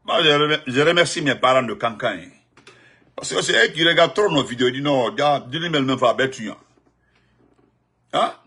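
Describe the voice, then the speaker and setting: Husky, emphatic Guinean French man. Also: medium pitch, expressive, a little fast, long pauses. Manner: emphatic, repetitive, swings between loud outbursts and muttered asides. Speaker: political commentator. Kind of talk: spontaneous political commentary.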